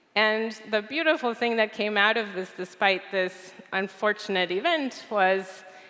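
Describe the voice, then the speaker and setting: This woman's pace is fairly slow. Her voice sits fairly high in pitch. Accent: Spanish. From Colombia, raised in Florida. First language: Spanish. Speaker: designer and entrepreneur. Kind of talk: conference talk.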